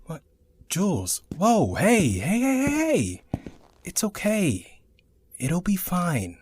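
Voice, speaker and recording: A woman's voice: on the low side, wildly swooping pitch, slow, darkish tone, husky, heavily acted. A woman playing a blunt, irreverent but caring friend in an audio drama, speaking informally and a little hesitantly. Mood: concerned, soothing. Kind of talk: audio drama acting, casual dialogue.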